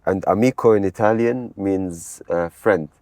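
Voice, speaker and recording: Middle-aged man from Malta, guest: low voice, rambling and animated, casual chat. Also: a little slow, no room sound. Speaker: guest, AI expert.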